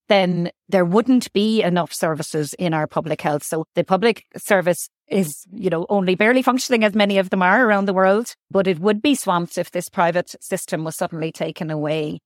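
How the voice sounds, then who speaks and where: A woman's voice: lowish voice, fairly quick, no echo, studio quality. A woman doctor, answering interview questions thoughtfully and often repeating words as she thinks. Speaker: guest doctor.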